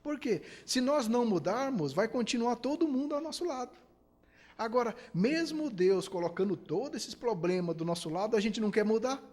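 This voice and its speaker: A man's voice: extremely high pitch, lively intonation, normal speed, darkish tone, in a large hall. A man from Brazil giving a spiritist lecture, asking rhetorical questions and acting out quoted dialogue.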